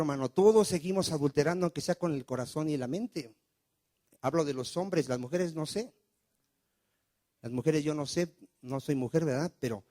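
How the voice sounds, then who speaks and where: Guy preaching in church, kinda high voice, keeps asking the crowd stuff then goes quiet for the prayers. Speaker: pastor. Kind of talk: sermon.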